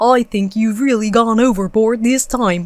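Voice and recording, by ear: Someone does a put-on character voice at a fairly high pitch and a moderate pace.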